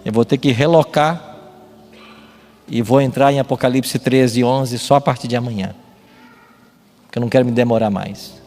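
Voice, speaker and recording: A man's voice: medium pitch, steady tone, moderate pace, pauses often, a little mellow. A Brazilian man preaching a sermon as a pastor, didactic and emphatic, often posing rhetorical questions. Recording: long hall reverb with music behind. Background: music.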